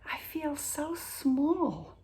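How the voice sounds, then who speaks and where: A woman voicing a tiny, eager, wistful female sea snail in a children's picture book, with earnest, drawn-out exclamations. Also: sits high, big pitch swings, a little mellow, pitched above the performer's own voice, exaggerated voice. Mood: wistful longing.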